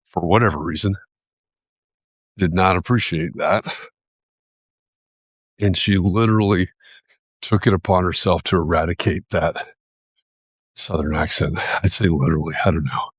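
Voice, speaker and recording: An American man with a low voice hosts a live video, speaking casually and reflectively while he searches for his words. The recording is dry.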